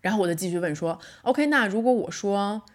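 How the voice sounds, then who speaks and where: A woman in her thirties hosting a casual solo podcast. She tells a story in a reflective way and slows down to stress her points. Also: medium pitch, animated. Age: 30s. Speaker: podcast host.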